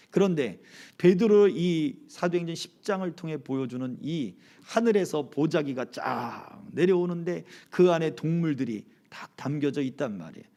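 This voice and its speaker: A man's voice: high voice, a little mellow. A male pastor delivering a Sunday sermon at a church service, preaching with animation and asking the congregation questions. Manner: leads the congregation in reading aloud together.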